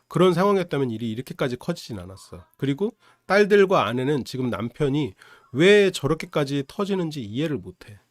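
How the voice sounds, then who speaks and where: A man's voice: mid-range voice, no echo, clean studio sound. A male counselor giving casual, analytical commentary that he explains conversationally and punctuates with rhetorical questions. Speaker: psychology counselor and show reviewer.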